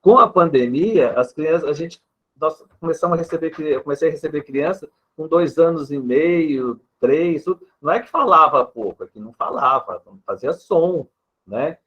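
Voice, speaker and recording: In a dull lo-fi recording, a man speaks on the high side with an expressive, slightly breathy delivery at a moderate pace. He's a speech therapist with a Brazilian Portuguese accent, patiently explaining through examples in an interview and tagging sentences with a questioning "né."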